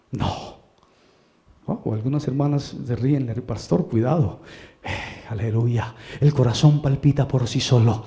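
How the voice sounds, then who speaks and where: Colombian male pastor, sermon delivery, fairly high and gravelly, big swings from soft asides to shouts. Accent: Colombian Spanish. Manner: preaching with swings from quiet asides to shouted lines.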